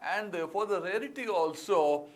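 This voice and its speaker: Speaking at normal speed in a high voice, this Indian English-accented man teaches a civil services exam-prep class. He is emphatic, repeats key words, and leans on fillers often.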